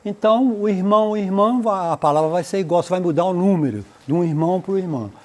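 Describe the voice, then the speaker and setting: A Brazilian man with a fairly high voice teaches an English class for schoolchildren. He reads each English sentence slowly and then translates it, filling the gaps with fillers. His pace is patient and explanatory. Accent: Brazilian Portuguese. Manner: frequent "então" and "né" fillers. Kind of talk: recorded remote school lesson.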